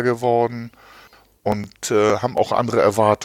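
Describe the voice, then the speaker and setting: This man speaks at a medium pitch with fairly even intonation. He has a plain, everyday voice. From Schleswig-Holstein, northern Germany. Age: 50s. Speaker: podcast co-host. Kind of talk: casual chat.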